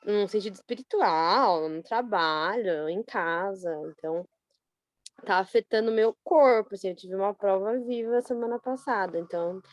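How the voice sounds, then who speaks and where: A Brazilian woman in a study group, telling a personal story in a chatty, animated way with many fillers. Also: mid-range voice, moderate pace, no room sound. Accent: Brazilian Portuguese. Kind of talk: casual personal account.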